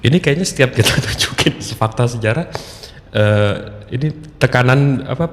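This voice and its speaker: A man's voice: mid-range voice, moderate pace, big-room sound, slight background noise. A man casually hosting an online debate, joking and chatty. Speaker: debate host.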